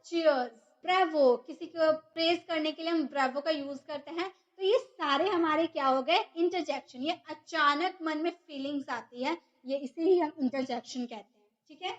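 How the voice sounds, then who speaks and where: A woman's voice: high voice, dull audio. A woman teaching a grammar lesson, who explains step by step and asks and answers her own questions. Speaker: English teacher.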